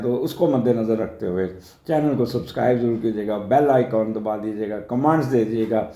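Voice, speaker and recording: A man's voice: medium pitch, warm tone, echoey room. An older man from Pakistan with a Lahore Urdu accent, giving a chatty weekly horoscope talk that rambles into anecdotes and drops in English phrases. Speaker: astrologer.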